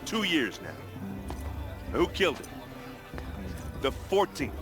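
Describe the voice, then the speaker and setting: An actor playing an outspoken, earnest tribal warrior in a video game, speaking emphatically to persuade. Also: male voice, a little high, sing-song, slow pace, music in the background. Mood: impassioned.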